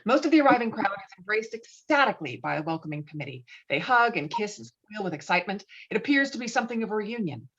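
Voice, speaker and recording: A woman's voice: mid-range voice, sing-song, quick pace, few pauses, a bit bright, breathy edge. A woman reading stage directions as narrator of a screenplay table read, on slightly muffled online call audio.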